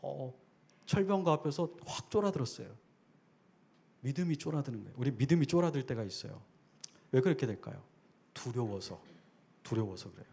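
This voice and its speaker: A man's voice: medium pitch, animated, a little fast, vocal fry, long pauses, mellow, breathy edge. Earnest man preaching a sermon. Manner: asks the congregation rhetorical questions. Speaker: guest preacher. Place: church worship service.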